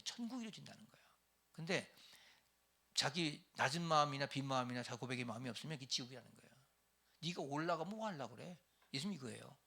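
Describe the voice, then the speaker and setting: A middle-aged man pastor preaching a lively sermon to church leaders, acting out everyday quarrels in raised voices. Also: on the high side, gravelly.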